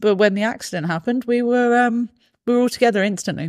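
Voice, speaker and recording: A woman with a British accent, in a very clean recording with a silent background and a dry, close sound with no echo. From England, London. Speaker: podcast guest. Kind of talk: casual chat.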